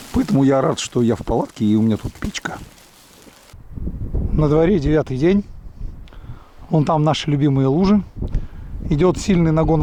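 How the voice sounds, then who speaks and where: Speech comes at a moderate pace with ordinary pitch variation, broken by long, frequent pauses over noticeable background noise. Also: man. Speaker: outdoor vlogger. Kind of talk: vlog narration.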